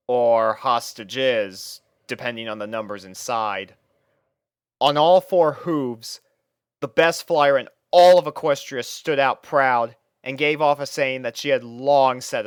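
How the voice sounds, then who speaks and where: A man narrating a fan story in a steady, even storybook voice, recorded on a close home mic. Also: mid-range voice, smooth, dry recording. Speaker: fanfiction reader.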